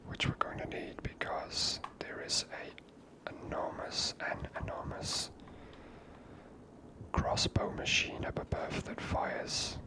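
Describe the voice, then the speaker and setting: Male ASMR gaming host: whispered, close-miked, unhurried murmured commentary. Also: rough recording. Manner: unhurried, murmured thinking aloud.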